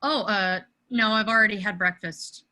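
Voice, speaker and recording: Bright-voiced Lane, hapless teenage boy, played by a woman. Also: mid-range voice, moderate pace, close to an everyday voice, poor audio. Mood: self-deprecating, awkward. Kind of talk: amateur script table read. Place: remote video call.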